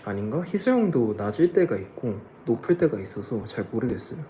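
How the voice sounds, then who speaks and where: A man's voice: medium pitch, sing-song, a little fast, dark tone, slight background noise. A young man casually chatting with fans on a livestream, laughing often and answering comments. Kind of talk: casual live chat reading comments.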